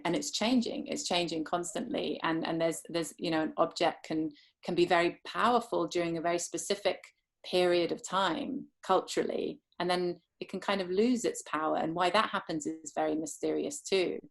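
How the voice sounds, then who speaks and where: A low-pitched woman musing aloud about art and meaning, circling back and restarting her sentences. She sounds reflective and unhurried, as if answering a question after a talk. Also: creaky. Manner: thoughtful, rambling with many restarts. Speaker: dharma speaker.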